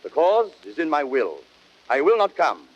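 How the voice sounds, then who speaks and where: A man playing a proud, stubborn Roman ruler with a husky voice, declaiming imperiously in classic Shakespearean style. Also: a little high, sing-song, moderate pace. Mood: defiant, haughty. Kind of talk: classic Shakespearean radio acting. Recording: dull lo-fi old audiodrama record.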